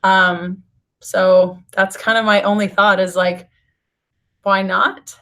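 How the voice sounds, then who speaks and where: A woman with a raspy, slightly hoarse voice recovering from losing it, chatting informally and directly to viewers as host of a casual livestream. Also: medium pitch, flat delivery, takes it slowly, fairly bright tone. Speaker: nutrition author hosting a livestream. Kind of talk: casual live vlog chat to viewers. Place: hotel room.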